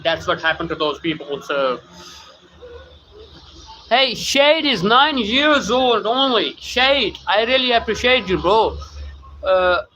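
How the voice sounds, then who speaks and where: Halting streamer man with South Asian English. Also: high voice, expressive, pushed and bright, muffled recording, a little hiss or hum. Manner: halting, many fillers, greets viewers by name. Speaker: live streamer. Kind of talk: casual live-stream talk, reading chat. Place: home room.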